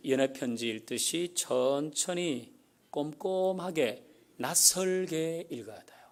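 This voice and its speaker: A middle-aged male pastor giving a folksy sermon, asking the congregation questions as he teaches. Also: fairly high pitch. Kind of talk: sermon teaching on Bible reading.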